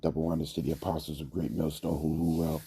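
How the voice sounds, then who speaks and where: A man giving an informal religious lesson, hoarse from a cold, talking in a drawl with many fillers. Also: very deep voice, little pitch movement, fast talker, warm tone. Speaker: religious teacher.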